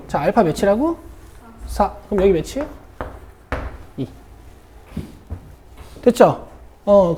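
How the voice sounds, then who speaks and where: Working through a problem in an academy classroom, a South Korean woman math teacher keeps checking in with her students. Her medium-pitched voice is mellow, with slight background noise.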